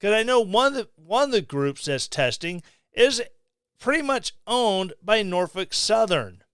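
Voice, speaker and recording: Slow, sarcastic middle-aged man ranting. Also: high voice, expressive, a bit bright, clear, resonant tone, no room sound, studio quality. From Missouri, USA. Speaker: podcast host. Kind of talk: opinion commentary. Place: small home room. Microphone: studio mic on stand, close.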